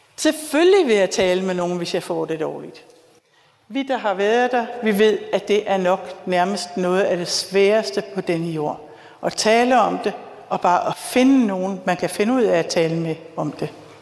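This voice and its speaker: Over noticeable background noise, a woman talks at a fairly slow pace, her pitch medium with ordinary variation. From Denmark, north of Copenhagen. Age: 60s. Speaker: speaker on abuse survivor experience. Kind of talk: lecture. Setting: church.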